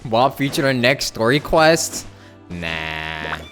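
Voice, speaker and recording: A man's voice: mid-range voice, big pitch swings, slow, fairly bright tone. A man doing casual livestream commentary on a game while chatting with viewers, close on the mic. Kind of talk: casual gameplay commentary and chat reading. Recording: game music behind the voice.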